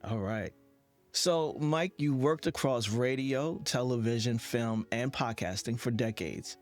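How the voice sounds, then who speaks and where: Male interview host, conversational delivery, middling pitch, faint music behind. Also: a little slow.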